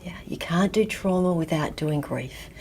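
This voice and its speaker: A woman from Vietnam, raised in Australia, giving a slow, reflective talk and often dropping to a near whisper. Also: fairly low pitch, darkish tone, husky. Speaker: guest teacher.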